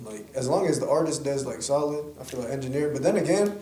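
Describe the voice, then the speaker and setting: A young man hosts a casual podcast, quick on his words and tossing out relaxed, slangy questions. His tone is dark and mellow, in an echoey room with faint ambient noise. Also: mid-range voice. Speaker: podcast host.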